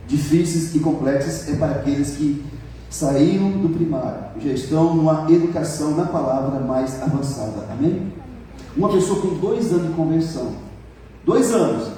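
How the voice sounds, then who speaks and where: Captured at a distance in an echoey church hall, this pastor has a fairly high, mellow voice with a little hiss or hum in the recording. Speaking with a Brazilian Portuguese accent, he gives a sermon full of personal testimony, colloquial and jokey at first, then rising into emphatic exhortation.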